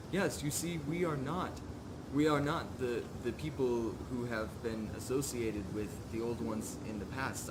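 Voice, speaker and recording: A man acts out an anxious male outcast in a tabletop roleplay. He pleads in formal words, stumbling and repeating himself in a middle-pitched voice. Clear noise sits on the live-stream recording. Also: close to an everyday voice. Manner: halting, stammering, repeating words, formal wording.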